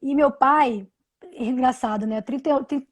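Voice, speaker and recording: A woman in her thirties telling a personal story on a live video call, halting, with many restarts and repeated words. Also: high voice. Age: 30s. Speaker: interview guest. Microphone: video call from home.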